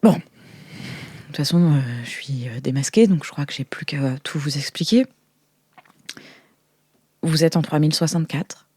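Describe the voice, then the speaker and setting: A woman playing a low, mellow, flustered museum employee. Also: normal speed, pauses often, husky, no echo. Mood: sheepish, explaining. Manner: hesitant, explanatory, defensive. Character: flustered young woman, junior integration agent in a futuristic museum. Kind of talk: improvised roleplay.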